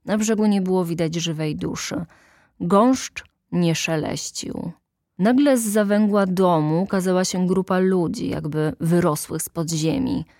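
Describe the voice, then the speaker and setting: Woman narrator, unhurried, deliberate; dry close-mic audiobook read. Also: on the low side, a little mellow, no echo. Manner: measured, deliberate, dramatic pauses. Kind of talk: literary audiobook reading.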